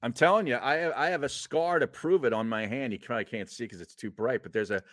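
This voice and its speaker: A man's voice: medium pitch, fast talker, a bit bright, dry recording. Blunt, jokey man on a dry mic. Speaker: podcast co-host. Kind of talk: casual chat.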